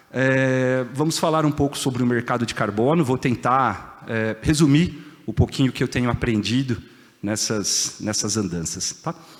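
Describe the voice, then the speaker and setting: Moderate pace from a man at medium pitch, ordinary pitch variation, noticeable background noise. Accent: rural São Paulo. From interior of São Paulo state, Brazil (Ribeirão Preto). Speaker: agronomist, conference speaker. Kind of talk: conference talk. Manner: casual, conversational.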